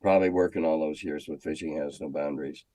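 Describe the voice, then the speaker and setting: An older American man reminiscing in a casual, halting, anecdotal way, often repeating himself as he goes. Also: a bass voice, fairly even intonation, warm tone, no echo. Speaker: guest, former schoolteacher. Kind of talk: casual storytelling interview.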